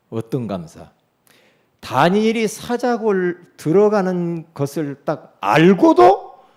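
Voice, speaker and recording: Animated preaching pastor, wide-swinging pitch. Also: male voice. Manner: emphatic preaching with rhetorical questions, swinging from loud to soft. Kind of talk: sermon.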